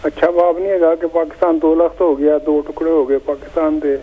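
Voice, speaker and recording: An older man calling in to a talk show, recounting his memories in a measured way, with stumbles and restarts. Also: on the high side, little pitch movement. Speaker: caller. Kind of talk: phone-in conversation. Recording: tinny phone line.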